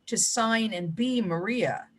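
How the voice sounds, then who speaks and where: A woman's voice: medium pitch, takes it slowly. A middle-aged or older American woman chatting casually as an interview guest, telling stories with frequent asides. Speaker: mystery author, guest. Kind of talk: casual interview chat about writing.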